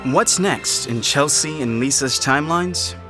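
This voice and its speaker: A man's voice: fairly high pitch, measured pace, over music. A man narrating a scripted audio fiction drama.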